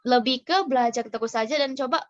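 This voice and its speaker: A woman's voice: sits high, brisk. A young woman answering a webinar question over a video call, hesitant and thinking aloud with fillers. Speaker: guest speaker. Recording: muffled call audio.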